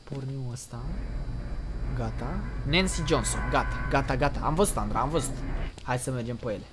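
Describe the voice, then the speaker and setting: A young man streaming a game live, chatting excitably and in slang with his viewers. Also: mid-range voice, music in the background. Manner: excitable, slangy, talks to chat. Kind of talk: casual live gaming chat.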